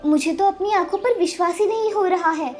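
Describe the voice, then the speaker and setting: A woman voicing a timid, gentle young girl in a cartoon story, speaking softly and pleadingly. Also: very high-pitched, a little fast, faint music behind, pitched above the performer's own voice. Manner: pleading, soft. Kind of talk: cartoon voice acting.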